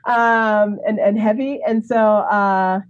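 Slow-talking woman with a big voice. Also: medium pitch, steady tone, muffled recording. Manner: hesitant, full of fillers and laughs. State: sick, not warmed up. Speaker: singer, interview guest. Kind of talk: casual interview chat.

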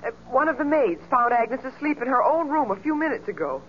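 A woman's voice: high voice, big pitch swings, a little fast. Polite, concerned female friend, vintage radio drama delivery on a dull old recording with faint noise. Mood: relieved, uneasy. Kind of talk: 1940s radio acting.

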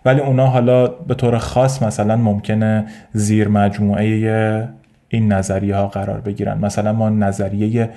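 A man's voice: fairly low pitch, level tone, warm tone. A man hosting a casual solo podcast with a Persian accent, thinking aloud in a rambling way with frequent fillers and restarts. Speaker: podcast host.

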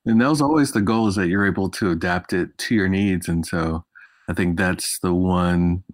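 Low-voiced American East Coast man. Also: normal speed, no room sound, clean studio sound. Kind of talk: business interview.

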